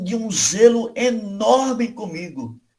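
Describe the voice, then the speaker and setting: A man talks at a very slow pace in a high-pitched voice. There is audible echo from the room. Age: 70s. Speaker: spiritist lecturer, former priest. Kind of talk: lecture Q&A discussion. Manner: hesitant, with fillers.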